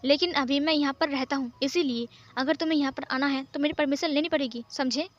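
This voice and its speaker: A woman voicing a calm, commanding young male master who gives firm, clipped orders in a storybook recap. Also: sits high, fairly quick, dull audio, close to an everyday voice. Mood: stern.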